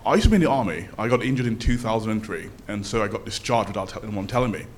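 A man's voice: lowish voice, lively intonation, rapid-fire, a little hiss or hum. A man speaking up from the audience at a public forum, telling things informally in an emphatic, conversational way.

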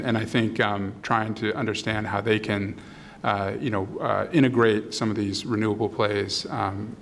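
A man's voice: fairly low pitch, a little hiss or hum. A man speaking as a panelist at a policy discussion, filling his talk with "you know" and "um". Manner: filler-heavy, many "you know"s and "um"s.

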